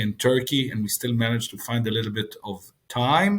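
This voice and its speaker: A man talks at a fairly quick pace at a medium pitch. His voice is somewhat breathy. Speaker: podcast host. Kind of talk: podcast interview.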